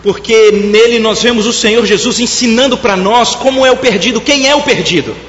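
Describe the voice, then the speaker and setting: A man's voice: high-pitched, a little fast, a bit bright, a little hiss or hum. A man preaching a sermon, telling a story and speaking straight to the congregation. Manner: storytelling preacher who addresses the congregation directly. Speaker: pastor. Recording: echoey hall, dull lo-fi sound.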